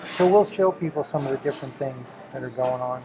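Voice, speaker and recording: A man's voice: mid-range voice, fairly quick, a crowd in the background, rough recording. A middle-aged man chatting casually and encouragingly with his teenage child as the host of a home video. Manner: encouraging, affirms often with "right" and "exactly".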